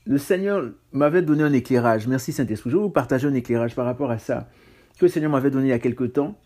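A man's voice: medium pitch, fast, warm tone. A man preaching a casual sermon on scripture, talking conversationally with self-mocking asides and stammered restarts.

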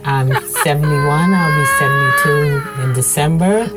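A woman in her seventies speaking haltingly in a played video clip. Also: low-pitched. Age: 70s. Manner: halting, slow speech. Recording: video clip with loud background music.

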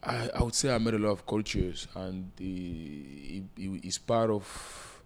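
A man in his thirties from Cameroon, answering interview questions with many pauses and fillers. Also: sits low. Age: 30s. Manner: hesitant, many fillers and restarts. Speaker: guest entrepreneur.

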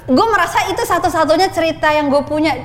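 A woman telling a personal story in casual chat, animated and often laughing as she talks. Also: very high-pitched, fast talker. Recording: long reverb, faint noise.

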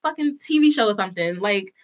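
A woman's voice: mid-range voice, animated, fast, a little hiss or hum. Candid African American woman chatting casually. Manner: informal and candid, peppered with swearing. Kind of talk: casual chat.

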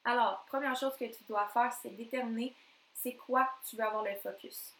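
A woman with a Québécois accent, a coach talking on her own podcast in an energetic, emphatic way that repeats phrases for effect. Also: fairly high pitch, moderate pace, reverberant, poor audio. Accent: Québécois French. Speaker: NLP coach. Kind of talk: solo podcast talk.

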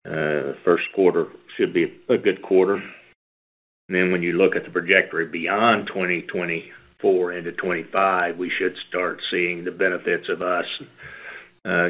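Over a band-limited phone conference line, a man with a very deep, flat-pitched voice fields analysts' questions as a company executive. His unscripted earnings call answers come out measured and halting, full of hedges.

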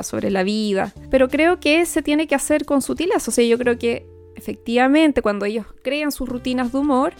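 A woman guest on a casual podcast, speaking in a measured, slightly formal way. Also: a little high. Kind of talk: opinion in casual chat.

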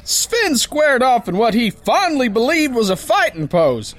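Brash, high-pitched sailor brawler. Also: male voice, very animated, unhurried, a bit bright, exaggerated voice. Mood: boastful storytelling. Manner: slangy, folksy, ungrammatical tough talk. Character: brash, rough prize-fighting Texan sailor telling his tale. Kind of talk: old-time radio adventure narration.

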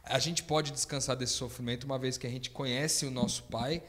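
A man's voice: medium pitch, steady tone, fairly quick, a bit bright. A Brazilian man in a casual faith discussion, speaking thoughtfully and quoting songs. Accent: Brazilian Portuguese. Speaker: panelist.

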